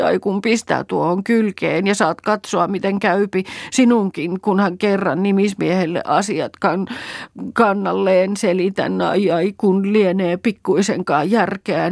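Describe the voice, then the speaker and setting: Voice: mid-range voice, dry recording, studio quality, voice pushed up, lightly acted. A reader doing a groaning, vindictive old peasant woman. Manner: moaning cries broken up by gasps. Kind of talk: audiobook character voice.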